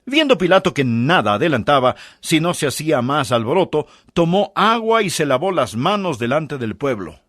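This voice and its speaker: A man's voice: fairly high pitch, big pitch swings, moderate pace, few pauses, a bit bright, no echo, clean studio sound. A man preaching a sermon, pressing the listeners with emphatic rhetorical questions.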